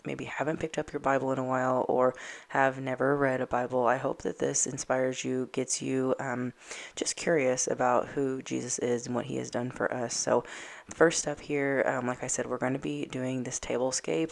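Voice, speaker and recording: A woman home decor vlogger chatting casually to camera, losing her voice from a dry throat, soft and hesitant with many ums. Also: rumbling low, flat delivery, moderate pace, gravelly.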